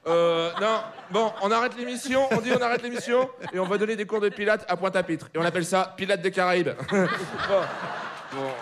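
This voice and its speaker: A man's voice: high voice, brisk, crowd noise. A man delivering a live comic radio chronicle, rowdy and swearing, laughing at his own jokes, in a studio before an audience. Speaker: comedy columnist.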